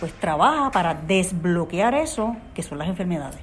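Very wide pitch swings from a woman, at a middling tempo. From Puerto Rico. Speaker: clinical psychologist and tai chi teacher. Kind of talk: interview.

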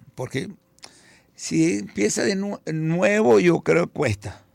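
A man's voice swings widely in both pitch and loudness. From Venezuela, Caracas. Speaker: hot dog street vendor. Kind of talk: interview. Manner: halting.

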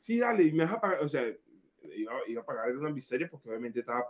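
His pitch is fairly high for a man and swings very widely up and down. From Barquisimeto, Venezuela. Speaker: podcast creator, engineer, immigrant. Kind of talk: casual interview chat.

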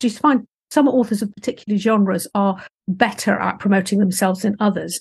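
Over a quiet background, a woman with a British accent speaks somewhat breathily at a medium pitch, with ordinary pitch variation and a fairly quick pace. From Britain. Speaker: podcast host and author. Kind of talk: casual interview chat; solo podcast monologue.

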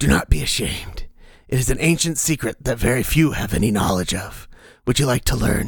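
A man's gruff, gravelly put-on character voice at medium pitch, fairly quick, with lively intonation. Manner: solemn, secretive.

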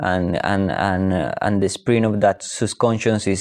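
In a monotone, flat intonation, a man with a Spanish accent speaks at a moderate pace. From Spain. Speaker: private chef. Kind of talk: casual chat. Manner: halting, with fillers.

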